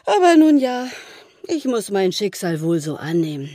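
An actress playing a chatty, ageing village shopkeeper in a radio play, homely, teasing and confiding. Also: female voice, medium pitch, sing-song, normal speed, warm tone, no echo, clean studio sound. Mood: resigned, weary. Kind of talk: German radio play acting.

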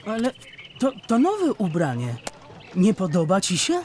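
A man's voice: high-pitched, huge pitch swings, a little slow, a little mellow, a little hiss or hum, exaggerated voice. A man playing a naive, eager, generous young newcomer in a cartoon dub, speaking earnestly. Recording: music behind the voice.

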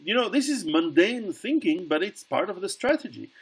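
A man's voice: sits high, sing-song, normal speed, husky. A middle-aged man speaking as a guest author over a video call, earnest, often restarting and repeating words.

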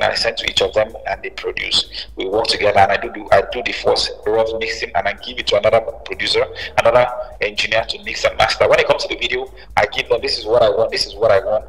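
A musician appearing as an interview guest speaks emphatically, repeating phrases to stress them. His voice is fairly low and gravelly, yet pushed and bright. The conversation is recorded in a reverberant room with a long echo.

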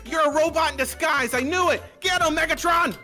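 A man's voice: extremely high pitch, brisk, over music. A man chatting playfully in a multiplayer game, his voice run through a metallic robotic filter. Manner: goofy, playful. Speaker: gamer.

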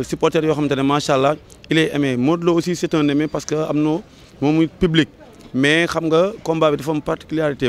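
A young Senegalese man who works as a correspondent speaks in a measured, analytical way, his slightly high voice broken up by hesitant fillers. He is on a sunny street with handheld mics held close to him. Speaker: local TV correspondent. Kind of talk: street interview. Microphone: handheld reporter mics held close.

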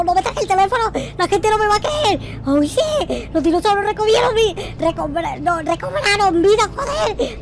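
A man playing a naive, panicky noob game character in excited, repetitive roleplay commentary. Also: very high voice, exaggerated voice. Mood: amazed, thrilled. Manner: frantic, repetitive, exclamatory. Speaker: gaming video creator. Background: faint music.

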